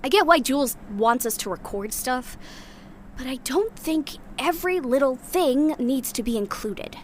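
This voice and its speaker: A woman's voice: sits high, expressive, measured pace, a little hiss or hum. An actress playing a blunt, irritated young rebel woman in an audio drama, recording a log in a dry, sardonic way.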